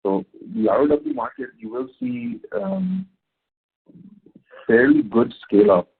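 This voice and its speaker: A man answering questions as a company executive on a conference call, speaking in halting, unscripted phrases. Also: mid-range voice, creaky, breathy edge. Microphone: phone conference call. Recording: tinny narrow phone line.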